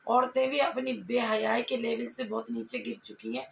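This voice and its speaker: A woman's voice: a little high, level tone, moderate pace, gravelly. A woman giving confrontational reaction commentary, scolding and taunting with pointed rhetorical questions. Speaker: reaction vlogger. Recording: echoey room, faint background noise.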